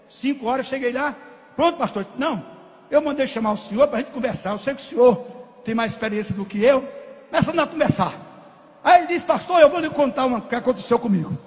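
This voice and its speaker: High-pitched preaching man, Brazilian accent. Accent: Brazilian Portuguese. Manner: repetitive, rising to shouts, sing-song preaching cadence. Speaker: pastor. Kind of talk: preaching testimony sermon. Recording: long hall reverb with faint music.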